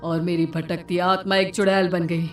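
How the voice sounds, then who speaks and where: A woman voicing a vengeful village witch who speaks slowly and cackles with menace. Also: lowish voice, level tone, distant mic, faint music behind, lightly acted. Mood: bitter. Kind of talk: storybook cartoon voice acting.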